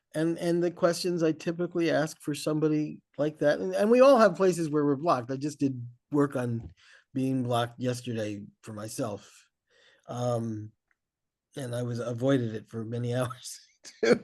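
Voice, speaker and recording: A man at medium pitch with lively intonation, a moderate pace and a quiet background. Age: 60s. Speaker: hypnotherapist. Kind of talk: interview. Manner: halting.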